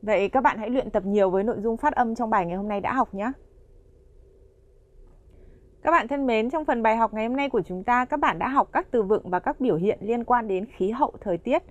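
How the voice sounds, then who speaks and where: A woman's voice: fairly high pitch, fast talker, hardly any pauses, lo-fi sound. A woman narrating a language course, addressing learners directly and explaining the lesson in a friendly, explanatory way.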